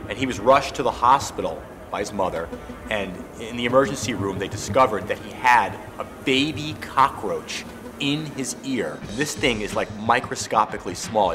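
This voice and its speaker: Low-voiced man telling a story, music behind. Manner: animated storyteller, many "you know" fillers. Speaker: game co-creator. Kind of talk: documentary interview storytelling. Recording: reverberant room with music underneath.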